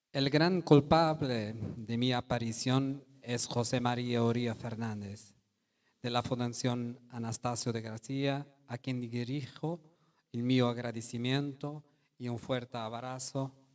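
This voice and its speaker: A man with a Portuguese accent, medium in pitch, talking at a very slow pace with fairly even intonation. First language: Portuguese (speaking Spanish). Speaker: museum director. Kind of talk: speech. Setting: exhibition opening. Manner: formal.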